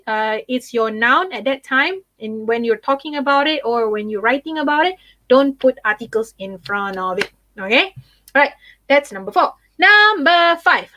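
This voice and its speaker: A woman's voice: high voice, fairly bright tone, no room sound. A young Malaysian woman with a Malaysian English accent, tutoring a live online English class in a chatty way, dropping in Malay words and laughing often.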